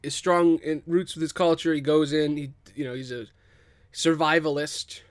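A man's voice: fairly high pitch, steady tone, moderate pace, smooth, no echo. A man in casual chat, brainstorming characters with a co-host, loose and profane with many fillers.

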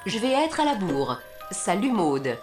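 A woman's voice: mid-range voice, very animated, a little slow, music in the background. A synthetic female voice playing a chatty, curious talking-clock announcer in a scripted comic dialogue. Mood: admiring. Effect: text-to-speech voice.

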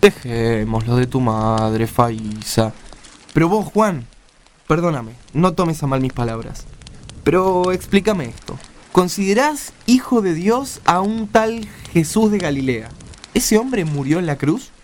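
A man's voice: a little high, a little slow, darkish tone, a little hiss or hum, close to an everyday voice. A man with an Argentine accent playing a blunt, skeptical, weary caravan-leader father in a radio play. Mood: wry, questioning.

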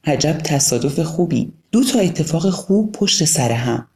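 A woman narrating an audio storybook in a calm, measured reading style. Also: low-pitched.

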